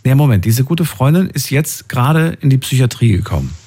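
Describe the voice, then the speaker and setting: A man's voice: medium pitch, big pitch swings, a little fast, dark tone, slight background noise. A man hosting a call-in talk show, questioning a caller closely and pushing back on his answers. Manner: probing, questions each answer. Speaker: radio call-in host.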